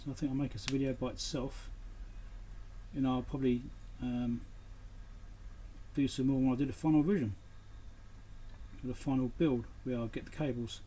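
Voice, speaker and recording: A man's voice: mid-range voice, steady tone, normal speed, pauses often, warm tone. Man muttering at a noisy workbench. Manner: muttering to himself while working, in short broken phrases. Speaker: electronics repair hobbyist and video host. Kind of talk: casual unscripted workbench commentary.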